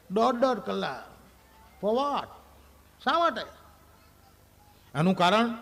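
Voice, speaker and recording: A man's voice: on the high side, fairly bright tone. A man with a Gujarati accent, performing a stand-up comedy monologue and telling stories, with English phrases mixed in. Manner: storytelling with acted quotes, mixing in English phrases.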